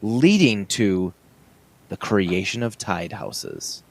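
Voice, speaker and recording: A man's voice: lowish voice, wildly swooping pitch, slow, creaky, no echo. A man hosting a casual podcast, joking around as he runs a trivia quiz. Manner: joking, playful quizmaster. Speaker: podcast host, trivia quizmaster. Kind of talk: casual chat.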